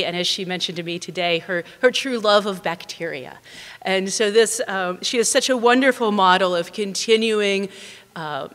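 A woman's voice: mid-range voice, a bit bright. A young woman hosting a lecture series, giving an earnest introduction at a podium and sometimes losing her words. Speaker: series organizer and host. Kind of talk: introduction speech. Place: large lecture room with audience. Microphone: podium mic. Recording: long hall reverb.

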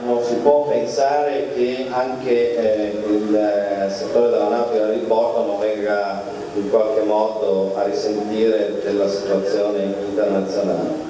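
A man in his forties gives a measured press-conference answer, halting often on filler sounds. His voice is low and dark. It comes from a distance through a handheld mic into a big echoey hall with faint ambient noise. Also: flat delivery. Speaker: trade fair executive at a press conference. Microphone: handheld mic, heard through the room.

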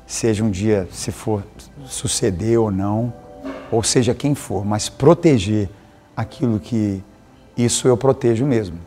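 A man's voice: fairly low pitch, unhurried, mellow, faint music behind. A man who leads a ministry, speaking earnestly and with some hesitation in a documentary interview. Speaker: church minister.

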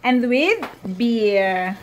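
A woman with a Filipino accent cooking at home for her husband in a casual vlog, talking in halting English mixed with German and Filipino words. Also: a little high, sing-song, slight background noise. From Philippines. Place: home kitchen.

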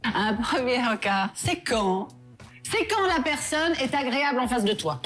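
A woman's voice: a little high, unhurried. Belgian lady, fun chatty guest, tells stories with a grin, bit of music underneath. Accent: Belgian French. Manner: lively, playful storyteller. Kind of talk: casual chat.

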